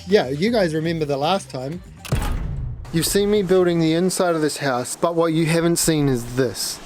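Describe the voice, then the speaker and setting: A man with a New Zealand accent talks through his building project in a relaxed, jokey way. His voice sits fairly high for a man, with a music bed running clearly underneath. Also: moderate pace. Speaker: builder and vlog host. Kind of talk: casual vlog chat.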